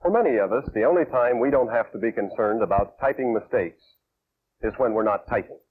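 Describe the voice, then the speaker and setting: A man's voice: medium pitch, fairly quick. Tinny 1960s training-film American man, methodical. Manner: methodical, explanatory, direct address to viewer. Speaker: instructor and presenter of a training film. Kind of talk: instructional demonstration, 1960s training film presentation. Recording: tinny, band-limited vintage 1960s film soundtrack.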